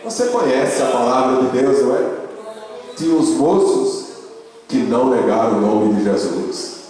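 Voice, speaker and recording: A man's voice: medium pitch, animated, darkish tone, soft background music. A man preaching a sermon as pastor, with a Brazilian Portuguese accent, emphatic and repetitive, calling out hallelujah between points. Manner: slow, emphatic preaching with repeated refrains and calls of hallelujah. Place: church sanctuary. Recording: echoey church hall, long reverb.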